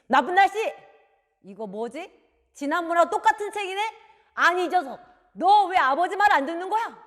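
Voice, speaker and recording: An enraged father bellows and scolds in a strained, high voice, as a woman puts him on. He blusters and threatens. The sound carries a long hall reverb. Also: expressive, normal speed. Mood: scolding. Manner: yelling, blustering. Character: angry shouting Haitian father, fearful and harsh.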